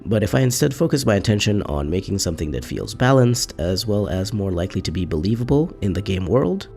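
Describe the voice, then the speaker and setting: A man narrates his gaming video essay in a calm, measured voice. His tone sits very low and has a gravelly edge. His pitch still moves around a lot as he explains his points, over faint background music. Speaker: gaming channel host.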